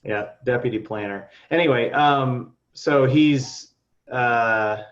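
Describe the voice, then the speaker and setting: A man leading a city board meeting, talking in a halting way with many restarts and fillers. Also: medium pitch, highs cut off. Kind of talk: casual meeting discussion.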